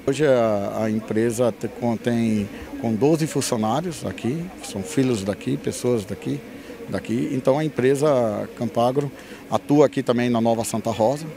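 A middle-aged man with a Brazilian accent answering a TV interview as a company representative, into a handheld microphone outdoors. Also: medium pitch. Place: outdoors at a farm fair. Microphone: handheld reporter microphone.

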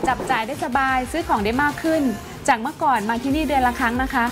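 High upbeat woman in an app ad. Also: fast talker, over loud music. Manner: upbeat, enthusiastic. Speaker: ad testimonial speaker. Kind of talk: scripted ad testimonial.

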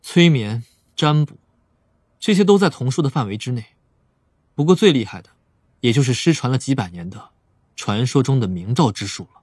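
A man's voice: medium pitch, lively intonation, moderate pace, pauses often, breathy edge, dry recording. A man playing a clever, composed young police psychologist in an audiobook drama, probing and explaining. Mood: probing, calm. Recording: dry voice over soft music.

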